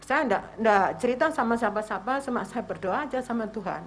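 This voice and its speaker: A woman's voice: fairly high pitch, expressive, a little fast, a little hiss or hum. A woman in her seventies with an East Javanese accent, giving a personal testimony at a worship service and acting out her prayers as she tells the story. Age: 70s. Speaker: church member giving testimony.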